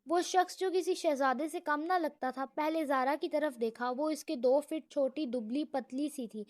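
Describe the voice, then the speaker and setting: A woman reads a romantic comedy novel in a dramatic, expressive manner. Her voice is high. The recording is close and dry, with no room sound. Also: no echo. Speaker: novel narrator. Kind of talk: storybook narration.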